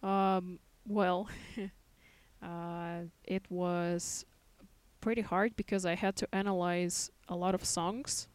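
Female guest from Russia, Russian native, lowish voice, modest and laughs easily. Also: steady tone, clean tone, no room sound. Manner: modest, laughs often, thoughtful pauses. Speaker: guest, English teacher. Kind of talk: casual interview chat.

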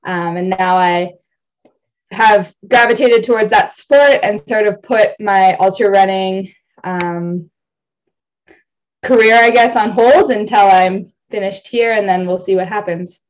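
A woman's voice: mid-range voice, unhurried, poor audio. Chatty, laughing woman on a video call. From Ontario, Canada. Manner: chatty and self-deprecating, laughs often, rambles. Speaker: guest athlete. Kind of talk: casual interview.

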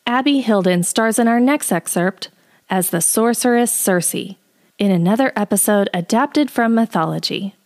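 Woman presenter, mid-pitched scripted narration. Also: normal speed, darkish tone. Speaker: podcast presenter.

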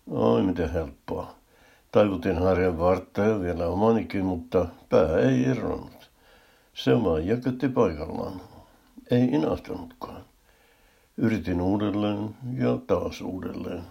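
An older man telling a humorous first-person story in a dry, deadpan way. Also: low-pitched, vocal fry, slightly rough, highs cut off.

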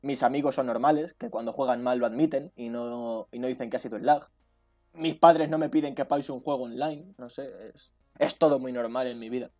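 A man's voice: mid-range voice, fairly even intonation, fairly quick, darkish tone, soft background music. A man, a podcast co-host, telling comic stories in a playful, self-mocking way. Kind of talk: comedic storytelling.

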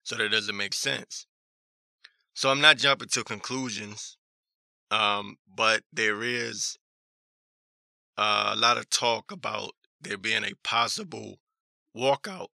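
A man with a hoarse voice giving casual news commentary as a talk show host, halting and repeating himself in a skeptical manner as he reads articles aloud. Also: lowish voice, bright, forceful tone, dry recording, studio quality.

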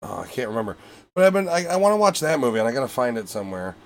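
A man's voice: mid-range voice, big pitch swings, rapid-fire. A man co-hosting a podcast, chatting casually in a rambling, offhand way with frequent swearing. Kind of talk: casual chat.

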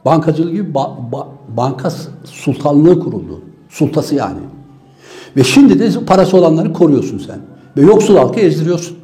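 A man's voice: high voice, mellow. A man giving an impassioned political monologue, fiery and scornful, firing off rhetorical questions and sounding weary. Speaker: political commentator.

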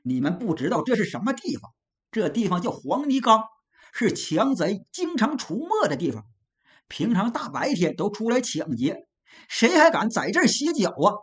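A woman's voice: medium pitch, very animated, normal speed, natural voice. A woman voicing a stern, hot-tempered male escort officer who barks and scolds as he gives orders.

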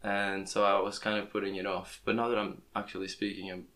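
A man's voice: lowish voice, flat delivery, a little fast, fairly bright tone. A young man, a native Portuguese speaker, talking in a casual podcast interview, often restarting his words. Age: young adult. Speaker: podcast host. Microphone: plugged-in podcast microphone.

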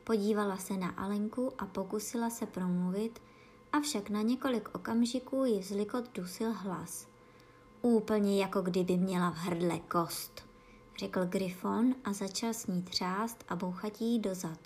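A woman reading a bedtime story aloud in a soft, hushed narrating voice. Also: mid-range voice, a little hiss or hum.

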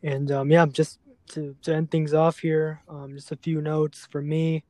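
A man hosting a serious podcast conversation, speaking earnestly and haltingly, often repeating words as he goes. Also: fairly high pitch, little pitch movement, darkish tone, no echo. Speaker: podcast host.

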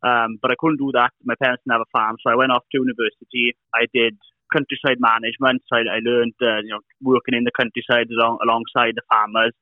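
A Welsh man, a beekeeper speaking Welsh as his first language, chatting relaxed and repeating himself as he tells his story over a call. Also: mid-range voice, fast talker, dry recording. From Wales. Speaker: beekeeper guest. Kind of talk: casual interview over a call. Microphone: remote call. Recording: tinny phone-like call line.

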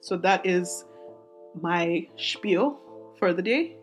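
A woman in her twenties hosting a solo podcast, talking in a candid, rambling way with many restarts, her voice raspy and strained from singing. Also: lowish voice, lively intonation, takes it slowly, faint music behind. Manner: rambling, self-interrupting, candid. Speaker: podcast host.

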